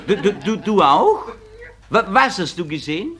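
A man's voice: high-pitched, lively intonation, moderate pace, fairly bright tone, pitched above the performer's own voice. A man voicing a scandalized female schoolteacher who stutters. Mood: scandalized scolding.

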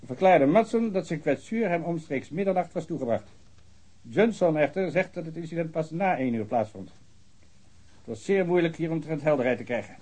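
An actor playing a long-winded, pedantic police officer in a radio drama. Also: male voice, fairly high pitch, animated, brisk, mellow, husky. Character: fussy male police officer reading a report.

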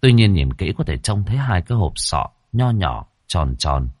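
A man narrating a scripted ghost story in a low voice. His reading is dramatic and lively, rising and falling a great deal. The sound is dry and close, with no room echo. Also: moderate pace.

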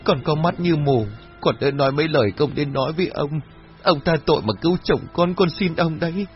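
A man voicing a frantic, tearful middle-aged village woman who begs for help in a high, rising voice. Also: lively intonation, moderate pace, lo-fi sound, faint music behind, close to an everyday voice. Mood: pleading, tearful.

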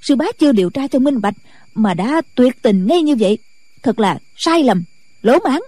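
Woman playing earnest middle-aged nun, audiobook, pleading tone, mellow, husky. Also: fairly high pitch, expressive, moderate pace, no room sound. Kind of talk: audiobook character voice.

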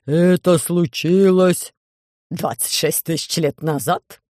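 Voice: medium pitch, a little fast, a little mellow, no echo, voice pushed down, natural voice. A reader as an ironic, skeptical dispatcher. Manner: dry, ironic, officious. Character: skeptical male spaceport dispatcher.

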